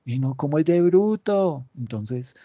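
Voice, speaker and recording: A man's voice: on the high side, animated, measured pace, no room sound, dull audio. Man explaining with sarcasm. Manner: acts out imagined dialogues between government and banks, sarcastic. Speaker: podcast host explaining economics. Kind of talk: casual explanatory podcast talk.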